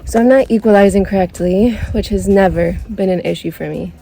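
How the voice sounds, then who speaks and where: A woman with a congested, stuffy voice talks openly to camera, reflecting as she goes. Her tone is dark and mellow with a gravelly edge. Soft music plays faintly underneath. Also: medium pitch, fairly quick, poor audio. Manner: candid, reflective, thinking aloud. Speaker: vlogger on a freediving course. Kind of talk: candid vlog to camera.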